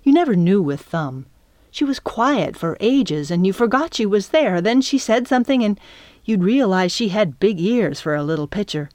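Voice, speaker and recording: A woman narrating a children's chapter book in a calm, measured reading. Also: mid-range voice, no room sound. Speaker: audiobook narrator. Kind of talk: scripted narration.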